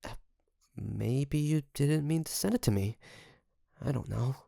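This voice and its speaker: Creaky-voiced, secretly obsessive best friend played by a man. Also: medium pitch, warm tone, dry recording, studio quality. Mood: casual, coaxing. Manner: hesitant, coaxing, with sighs and pauses. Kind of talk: intimate roleplay audio drama monologue.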